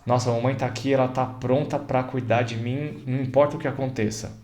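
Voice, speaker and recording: A man's voice: medium pitch, steady tone, brisk, darkish tone, lightly acted. A man with a Brazilian Portuguese accent voicing a needy newborn baby's thoughts in his own plain speaking voice, as if wondering aloud. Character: newborn baby in a crib, needy and sensitive.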